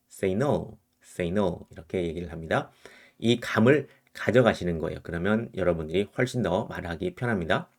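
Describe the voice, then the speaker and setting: Low-voiced man teaching English phrases. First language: Korean. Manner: explains patiently, repeats example phrases slowly. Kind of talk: English lesson explaining word use.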